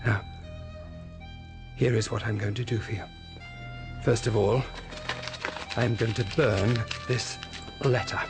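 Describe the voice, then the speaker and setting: A man's voice: on the low side, steady tone, slow pace, gravelly, pauses often, over music, rough recording. An actor playing a stern middle-aged crown prosecutor and father, commanding and clipped, in a radio drama.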